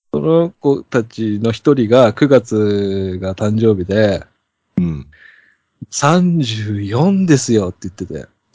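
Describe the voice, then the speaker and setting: Using lively intonation, a man talks at a very slow pace with a fairly low pitch. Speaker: podcast host. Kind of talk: casual chat. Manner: filler-heavy, halting.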